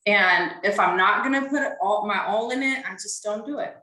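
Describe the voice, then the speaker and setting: A woman's voice: medium pitch, moderate pace, bright, forceful tone, roomy sound, poor audio. A young woman from Ethiopia, a podcast guest, answering interview questions in an earnest, casual way with frequent fillers.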